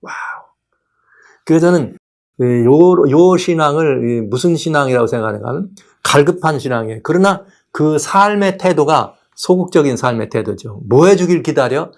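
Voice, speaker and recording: A male pastor giving a lively sermon, often putting rhetorical questions to the congregation. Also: fairly high pitch, normal speed, creaky. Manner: animated preaching, asks rhetorical questions.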